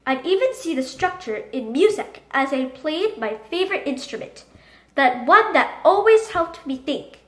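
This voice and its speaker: A woman reading a children's book aloud in an expressive, dramatic storytelling manner. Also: sits high, moderate pace. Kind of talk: animated storybook narration. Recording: echoey room.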